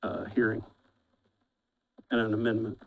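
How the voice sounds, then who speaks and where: On a low-quality recording, a man with a fairly low, monotone voice runs a county commissioners' meeting. His delivery of the agenda items is halting, and he keeps restarting his sentences, repeating words each time, in formal meeting style.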